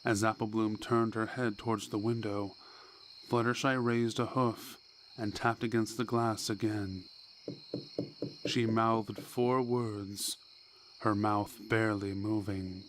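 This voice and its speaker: A man reading a scripted horror story in a measured, deliberate way, with dramatic pauses. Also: on the low side, little pitch movement, fairly bright tone, slight background noise. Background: background music.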